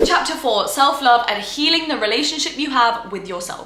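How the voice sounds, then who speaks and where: A woman talks loudly in a high pitch with an energetic tone and very wide pitch swings, amid audible room echo and noticeable background noise. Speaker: self-help YouTuber. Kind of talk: self-help talk to camera. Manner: fast; loud, energetic.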